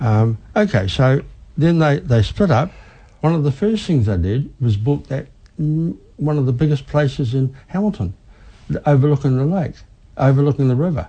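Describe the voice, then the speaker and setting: A man with a New Zealand accent speaks in a dark, mellow tone, somewhat breathy, with a fairly high pitch and lively intonation. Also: moderate pace. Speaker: dance club president. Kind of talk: radio interview.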